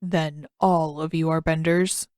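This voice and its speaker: A woman voicing a stern male elder of a tribal council in a story, speaking in a formal, measured, authoritative way. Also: low-pitched, fairly even intonation, a little mellow, dry recording, studio quality, pitched below the performer's own voice. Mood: formal, reserved.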